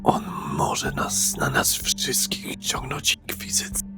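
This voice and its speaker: A performer voicing a sinister, insinuating inner demon in a breathy whisper for a tabletop roleplay. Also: slow pace, lightly acted. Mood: menacing. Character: sinister inner whispering voice urging a vampire to kill. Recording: music behind.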